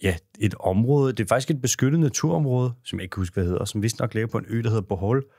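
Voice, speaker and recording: A man's voice: mid-range voice, mellow, dry recording. A man co-hosting a podcast in casual chat, rambling with fillers and restarts on a studio microphone. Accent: Danish. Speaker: podcast co-host.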